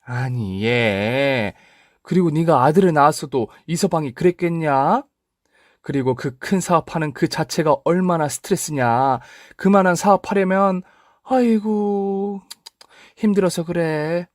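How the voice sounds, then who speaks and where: A man's voice: fairly high pitch, measured pace, no room sound, clean studio sound, voice pushed up, close to an everyday voice. A man voicing an older mother who lectures her daughter and sides with the son-in-law. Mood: lecturing. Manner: lecturing, scolding.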